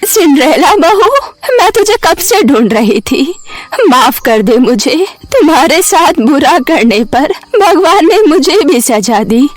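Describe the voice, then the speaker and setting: A woman's voice: high-pitched, big pitch swings, slow pace, no room sound, soft background music, heavily acted. A woman voicing a frail, remorseful old mother-in-law in a cartoon story, pleading plaintively.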